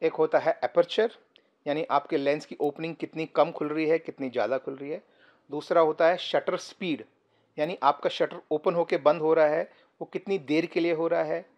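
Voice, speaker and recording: A man teaching photography to the camera from a sofa indoors. He explains step by step, pauses often and uses fillers, and is recorded by a camera about three feet away. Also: fairly high pitch, steady tone, muffled recording. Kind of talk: casual explainer tutorial to camera. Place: indoor room, seated on a sofa.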